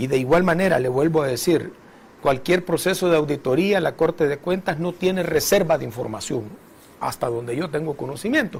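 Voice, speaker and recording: A man's unremarkable speaking voice, fairly high in pitch, with ordinary pitch variation and a fairly quick pace. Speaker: mayor. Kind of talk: interview.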